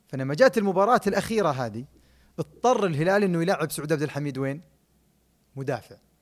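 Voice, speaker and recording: His pitch is fairly high, and it swings very widely. The man speaks at a fairly quick pace. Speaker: football coach. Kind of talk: interview.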